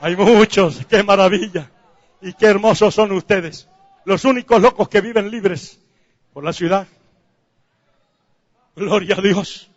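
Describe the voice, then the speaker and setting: A male pastor giving a fervent testimony sermon, often calling out hallelujah and shouting at the peaks. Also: sits high, a little slow, pauses often, in a large hall, dull audio.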